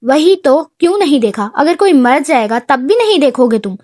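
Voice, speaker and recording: A woman's voice: high-pitched, big pitch swings, darkish tone, no room sound, studio quality. A dramatic young man whines and pleads in a raised, sulky voice, as a woman narrator plays him. He is a storybook character who makes every small slight into a big complaint. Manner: whiny, pleading.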